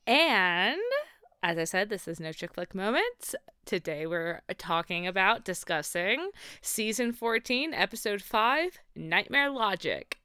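A woman's voice: medium pitch, lively intonation, unhurried, bright, forceful tone, smooth, no echo, studio quality. A woman co-hosting a casual podcast, chatty and laughing often, restarting her sentences as she talks. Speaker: podcast co-host. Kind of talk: casual chat.

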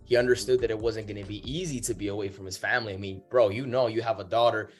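A man's voice: fairly low pitch, steady tone, fast. A man from the Dominican Republic, raised partly in the United States, chatting emphatically as a guest, with swearing and frequent check-in questions. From Dominican Republic, moved to the United States at seven. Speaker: guest, men's movement leader. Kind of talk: casual motivational chat. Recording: music behind the voice. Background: music.

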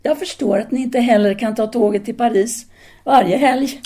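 Woman acting mellow soft-edged 1930s paris intellectual, self-possessed and candid, formal deliberate phrasing, intimate radio drama. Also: fairly high pitch, close to an everyday voice. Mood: composed, wistful. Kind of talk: audio drama dialogue, intimate phone conversation.

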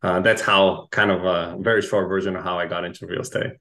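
A man from Chile, a guest speaking earnestly and a little haltingly. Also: deep voice, flat delivery, a bit bright, rough recording. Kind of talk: casual interview chat.

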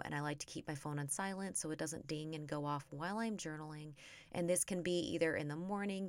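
A woman in her thirties hosting a podcast, chatting upbeat and encouraging, her voice slightly raspy from being sick. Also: fairly low pitch, a bit bright, dry recording. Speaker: podcast host. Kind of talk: casual chat.

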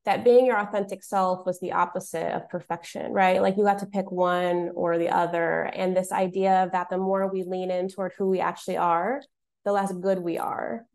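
A woman's voice: lowish voice, level tone, normal speed, gravelly, darkish tone. A woman moderating a conversational panel in a thoughtful way, often checking in with a tag question. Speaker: discussion moderator.

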